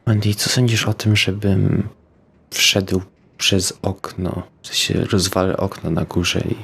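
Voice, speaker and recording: A man's voice: deep voice, steady tone, measured pace, creaky, a bit bright, breathy edge. A man playing a tabletop game, asking hesitant questions with fillers. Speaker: player. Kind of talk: casual tabletop play.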